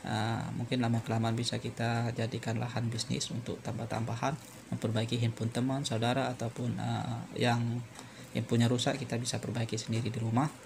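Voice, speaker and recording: Flat-toned man with gravelly creak. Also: medium pitch, fairly quick, noisy background. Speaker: phone repair tutorial presenter. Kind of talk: unscripted step-by-step tutorial narration.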